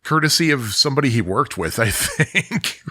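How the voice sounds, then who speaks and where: A man co-hosting a podcast, chatting casually with quick reactions and hedging asides. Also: mid-range voice, expressive, sharp tone, dry recording, studio quality. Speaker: podcast co-host. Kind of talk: casual conversation.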